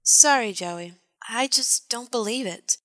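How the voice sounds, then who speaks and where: A woman's voice: a little high, a little slow, a bit bright, no room sound. A woman playing an earnest, judgmental teenage girl in an audio drama. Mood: doubtful. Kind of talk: fan audio drama acting.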